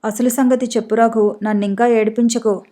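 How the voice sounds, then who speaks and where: A woman's voice: on the high side, little pitch movement, normal speed, mellow, natural voice. A woman reading the part of a tearful, heartbroken young married woman in a pleading way, in an audiobook story.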